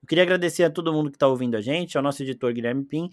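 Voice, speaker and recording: A young Brazilian man reviews a film on a podcast, animated and full of slang. He talks fast in a somewhat high voice. The recording is dry and close. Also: no room sound. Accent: Brazilian Portuguese. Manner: animated, slangy, exclaims often. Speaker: podcast host. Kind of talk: casual film review chat.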